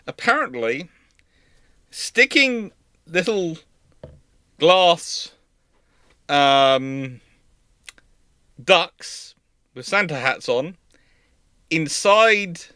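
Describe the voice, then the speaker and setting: Man giving measured, emphatic panel answers. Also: on the high side, fairly bright tone, dry recording, studio quality. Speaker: live stream host answering viewer questions. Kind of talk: live panel discussion, answering questions.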